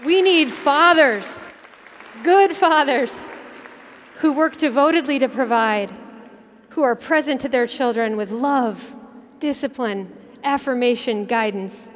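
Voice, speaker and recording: A woman in her thirties delivers an earnest keynote from a big arena stage, her fairly high voice carried by a headset mic. She speaks in measured phrases with dramatic pauses, dropping softer as she tells a story. A long reverb trails each line through the hall. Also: slight background noise. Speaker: keynote speaker, religious sister. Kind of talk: inspirational keynote speech. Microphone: headset mic at a podium.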